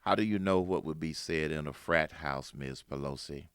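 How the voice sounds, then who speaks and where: A man hosting a talk show, giving opinionated news commentary in a folksy way that swings from loud emphasis to low asides. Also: normal speed, clean tone, dry recording, studio quality.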